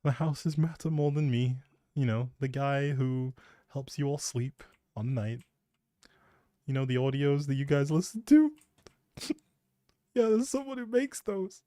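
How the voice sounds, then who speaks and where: A man's voice: on the high side, unhurried, long pauses, mellow, no echo, studio quality. A man chatting casually as a live streamer, playful and teasing as he thinks aloud while commenting on a game.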